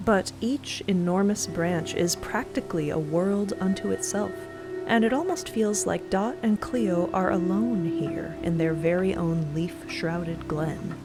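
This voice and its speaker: A woman's voice: lowish voice, unhurried, over loud music. A woman narrator reading scripted audio fiction.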